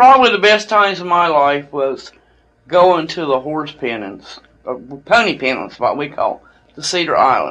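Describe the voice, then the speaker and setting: With an American accent, a woman speaks at a moderate pace in a fairly low voice, her pitch swinging very widely and her loudness shifting a lot, over background music. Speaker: storyteller and comedian. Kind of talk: oral history interview answer.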